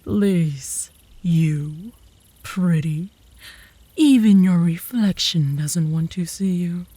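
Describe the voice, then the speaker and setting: A woman's voice: lowish voice, extremely slow, warm tone, husky, dry recording, heavily acted. A woman playing a smug, teasing, romantically obsessed werewolf in a comedic ASMR roleplay, with a sly, seductive manner. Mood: mocking, smug.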